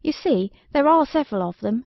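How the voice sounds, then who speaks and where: A woman voicing a polite, nervous young parlour maid, deferential and hurried, in a storybook reading. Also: sits high, expressive, creaky, no room sound, pitched above the performer's own voice. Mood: flustered. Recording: dry, slightly dull recording.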